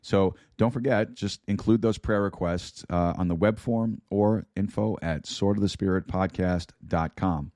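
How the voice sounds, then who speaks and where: Hoarse deep-voiced preacher man. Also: unhurried, few pauses, a little mellow, dry recording, studio quality. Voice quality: raspy. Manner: folksy, addresses listeners as folks, many fillers. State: hoarse, losing his voice. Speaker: podcast host and Bible teacher. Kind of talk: casual sermon-podcast talk.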